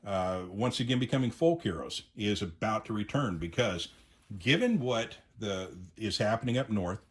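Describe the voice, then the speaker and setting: A middle-aged American man giving an unscripted, conversational opinion monologue to viewers, with hesitant phrasing and frequent pauses. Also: medium pitch. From United States. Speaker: YouTube host, amateur radio enthusiast.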